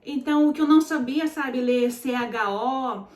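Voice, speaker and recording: A Brazilian vlogger in her forties, speaking with a Brazilian Portuguese accent, casually tells her story to viewers. Her high voice has a darkish tone and normal pace, and it sounds reverberant. She is chatty, calls her audience "gente," and uses many fillers.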